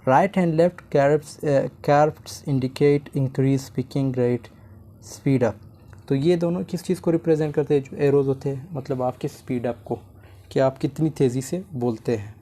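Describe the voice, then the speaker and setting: A male teacher giving an online lecture, slowly reading English slide text aloud and then explaining it, often repeating himself. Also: medium pitch, dark tone. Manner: repeats words while explaining.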